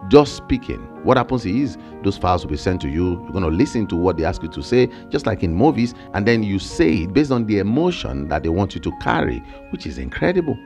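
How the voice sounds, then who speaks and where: A man with a Nigerian accent and a fairly low voice talks up online side gigs, his pitch leaping around as he presses each point. He is in his thirties, close on a studio mic, with faint music under him. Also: fairly quick, hardly any pauses. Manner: animated, emphatic, gestures with hands. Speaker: online income creator. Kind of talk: energetic explainer vlog. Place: small home studio with shelves and plants, indoors. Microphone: large studio mic on a boom, close.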